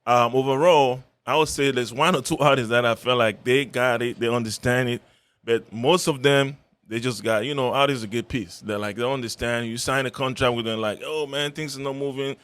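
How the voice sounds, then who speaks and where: A man's voice: mid-range voice, steady tone, a little fast, fairly bright tone. A man from Cameroon, a musician guest talking in a friendly, rambling way with many fillers. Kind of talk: casual radio interview. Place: radio studio.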